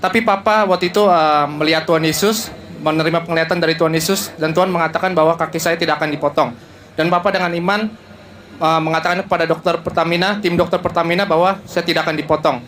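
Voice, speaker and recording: Young man, earnest testimony, halting, fairly high voice. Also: fairly even intonation, fairly bright tone. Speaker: testifier, pastor's son. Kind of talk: personal testimony. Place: stadium.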